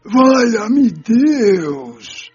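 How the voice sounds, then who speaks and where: A woman voicing a confused, pleading wandering spirit in a radio drama, raspy and theatrically plaintive. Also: a little high, very animated, very slow, darkish tone, full character voice. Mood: terrified. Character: distressed, confused wandering spirit, easily terrified, pleading for help. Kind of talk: audiobook radio drama acting. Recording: dull band-limited audio, faint music.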